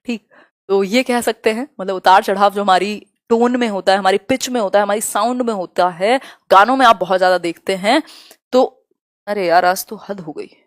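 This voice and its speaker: A woman teaching an exam-prep lesson live, reading questions aloud slowly and chatting with viewers as she explains. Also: medium pitch, no room sound, clean studio sound. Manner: chatty, answers viewers' comments.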